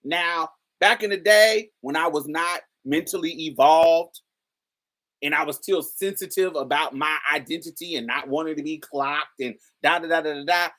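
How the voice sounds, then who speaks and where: Woman with a really deep voice, chatty emphatic commentary straight to her viewers. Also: moderate pace, a bit bright. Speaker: host. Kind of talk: casual commentary to camera.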